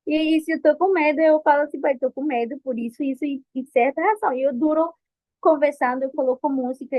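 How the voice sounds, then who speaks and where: Young woman, high voice, candid lively storyteller, dry dull lo-fi sound; interviewee sharing testimony. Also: dry recording. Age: young adult. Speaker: interviewee, book colporteur. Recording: dull lo-fi recording.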